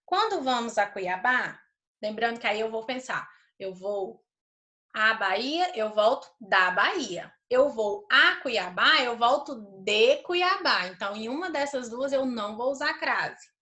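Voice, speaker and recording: A woman teacher, giving a recorded grammar lesson to schoolchildren. She reads example sentences slowly and deliberately, stopping often to ask "certo?". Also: on the high side, lively intonation, pushed and bright. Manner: checks understanding with "certo?".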